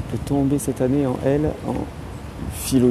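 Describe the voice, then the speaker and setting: A man's fairly high voice comes through noticeable background noise. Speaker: livestreamer teaching philosophy. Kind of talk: live stream talk to viewers. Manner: hesitant, many fillers.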